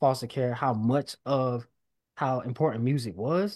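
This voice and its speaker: Speaking fairly slowly with a Southern US accent, a man's medium-pitched voice comes through dry and close, with no echo. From Alabama. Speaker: rapper. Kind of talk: casual interview.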